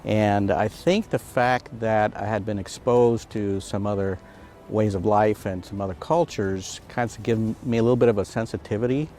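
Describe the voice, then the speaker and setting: A man in his fifties, a veteran police officer, speaking in a measured, thoughtful way with pauses and fillers in an interview. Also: lowish voice, steady tone, mellow, soft background music. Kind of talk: recruitment video interview.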